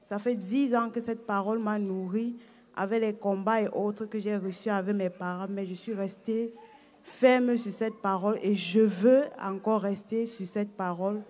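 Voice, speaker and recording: A woman's voice: medium pitch, steady tone, normal speed, darkish tone. A woman from Cameroon, telling her story in church and hesitating as she goes. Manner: long unbroken telling with hesitations. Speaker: churchgoer giving a testimony. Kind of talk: personal testimony at the front of the church.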